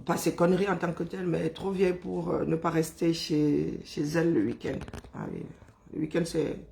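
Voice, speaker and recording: Hoarse, worn-out Cameroonian woman streaming. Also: deep voice, fairly even intonation, warm tone. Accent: Cameroonian French. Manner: chatty, teasing, drawn-out sighs and hums. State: exhausted. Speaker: live-stream host. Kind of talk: casual live-stream chat greeting viewers.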